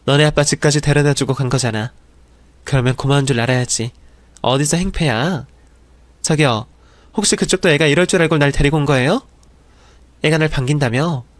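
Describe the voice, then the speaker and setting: A man voicing a sharp-tongued, defensive middle-aged mother who snaps and scolds in a dramatized story reading. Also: fairly high pitch, fairly quick, long pauses, no echo, close to an everyday voice. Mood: scornful. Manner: snapping, scolding.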